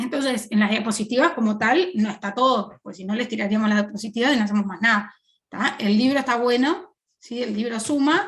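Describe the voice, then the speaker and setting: A woman with a Uruguayan accent speaks at a fairly quick pace. Her voice is somewhat breathy and fairly high, with ordinary pitch variation. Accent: Uruguayan Spanish (Rioplatense). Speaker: university lecturer in accounting. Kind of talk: lecture. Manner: fast.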